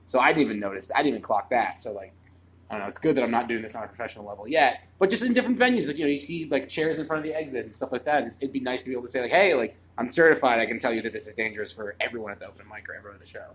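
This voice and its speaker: Young guy, mid-twenties comic, quick and rambling, faint room noise. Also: medium pitch, expressive, a bit bright, rough recording. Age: 20s. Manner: rambling, talks fast with many fillers. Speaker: comedian. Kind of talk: casual chat. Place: bar.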